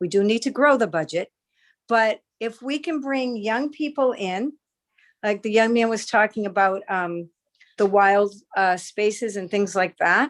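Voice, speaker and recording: This is an ordinary speaking voice: a woman with a fairly high pitch and ordinary pitch variation. She talks at a fairly slow pace on a very clean recording with a silent background. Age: 60s. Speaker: public commenter, nurse and activist. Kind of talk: public testimony at council hearing.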